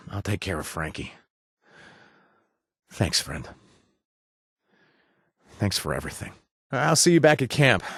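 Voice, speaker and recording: A husky, wry ex-raider bartender. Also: male voice, lowish voice, a bit bright, dry recording, studio quality, exaggerated voice. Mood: somber. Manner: sardonic, joking, then earnest and grateful. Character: gruff washed-up male ex-raider bartender, wry. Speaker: game companion character. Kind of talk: video game voice lines.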